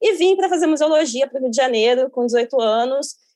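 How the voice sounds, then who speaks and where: A woman's high voice rises and falls with lively intonation. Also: dry, close sound with no echo. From interior of São Paulo state, Brazil. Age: 20s. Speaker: QA analyst. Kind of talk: podcast interview.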